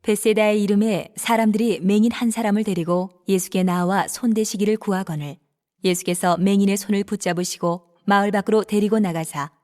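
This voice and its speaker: A woman narrating scripture in a calm, even, reverent manner. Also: mid-range voice, fairly quick.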